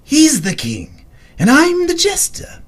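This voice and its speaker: An actor playing a gleefully deranged clown villain in an audio drama, theatrical and sing-song, mock-affectionate. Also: male voice, very high-pitched, huge pitch swings, fairly bright tone, full character voice. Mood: gleeful menace. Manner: theatrical, sing-song, drawn-out, lurching from murmurs to shrieks.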